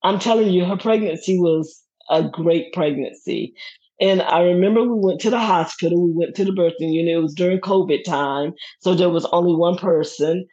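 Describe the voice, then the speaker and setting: A middle-aged woman telling a personal story as a guest, lively and laughing often as she acts out what others said. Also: lowish voice, normal speed, slightly rough. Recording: dull lo-fi recording.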